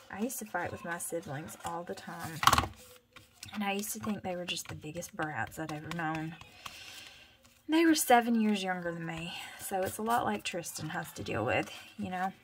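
A woman's voice: on the low side, lively intonation, normal speed, slight background noise. A woman with a thick Southern accent chatting casually through a craft tutorial, muttering and mumbling with rambling asides. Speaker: crafter vlogger.

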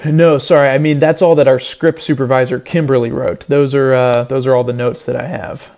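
A man voicing a clueless, excitable male sports announcer in a parody sports broadcast, going from confident to flustered. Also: mid-range voice, fairly quick, creaky, lightly acted. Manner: confident then flustered, mock-broadcast delivery.

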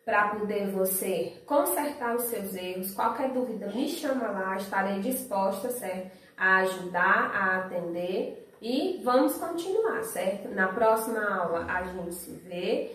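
A woman's voice: medium pitch, expressive, unhurried, fairly bright tone. A Brazilian woman teaching a remote lesson to young children, patiently explaining step by step and often checking in with "certo?". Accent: Brazilian Portuguese. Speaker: primary school teacher. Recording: echoey room, voice from a distance.

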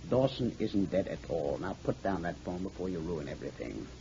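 An actor playing a gruff, impatient family doctor in 1940s radio drama style. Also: male voice, sits low, big pitch swings, a little fast, heavily acted. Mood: reluctant explaining. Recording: muffled, hissy vintage radio recording.

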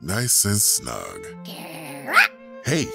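A man playing a gentle, courteous adult werewolf doctor and father in an audio drama, speaking tenderly and politely. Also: on the low side, wildly swooping pitch, drawn-out words, vocal fry, music in the background, exaggerated voice. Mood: fatherly. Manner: tender, polite, soft-spoken storyteller.

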